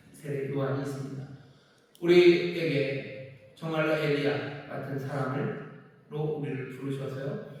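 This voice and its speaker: Pastor guy preaching, stretches out key words, far off mic in a big echoey church. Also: mid-range voice. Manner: earnest preaching, slows on key words, rises for emphasis. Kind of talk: sermon. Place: church sanctuary.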